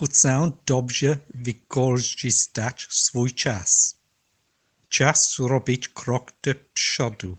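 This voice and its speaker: A man speaks very slowly at a medium pitch, his intonation fairly even. His voice is somewhat breathy, and the sound is dry and close with no echo. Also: quiet background. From England. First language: English (speaking Polish). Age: 60s. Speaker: language learner. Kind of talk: recorded message. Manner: halting.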